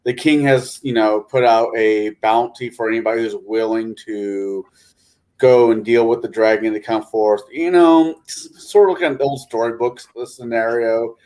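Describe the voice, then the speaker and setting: A man talking informally and haltingly in a casual panel discussion about tabletop role-playing games. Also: mid-range voice, fairly even intonation, darkish tone.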